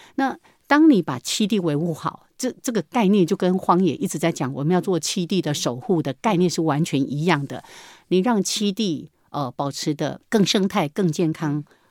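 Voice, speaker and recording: A woman with a fairly low pitch speaks at a moderate pace with lively intonation, in a dry, close sound with no echo and a very clean recording over a silent background. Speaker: radio host. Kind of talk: casual chat. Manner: witty and elegant.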